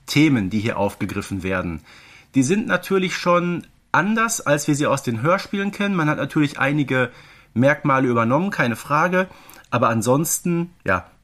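A man's voice: medium pitch, lively intonation, normal speed, a bit bright. A man co-hosting a podcast, talking conversationally and explaining things with small asides. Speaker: podcast co-host.

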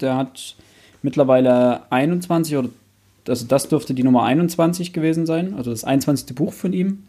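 Husky, mellow young man hosting. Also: medium pitch. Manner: hesitant, self-correcting, thinking aloud. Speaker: podcast host. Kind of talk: casual book discussion.

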